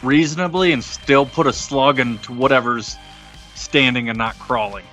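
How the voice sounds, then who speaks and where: A man talks casually as a player in a tabletop game. His voice is bright and forward at a middling pitch, over faint music. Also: normal speed. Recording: music playing behind the voice.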